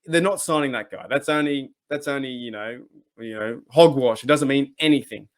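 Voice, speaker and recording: A man's voice: medium pitch, moderate pace. A man with an Australian accent hosting a sports talk channel, chatting casually and rambling with many restarts. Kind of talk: casual solo commentary.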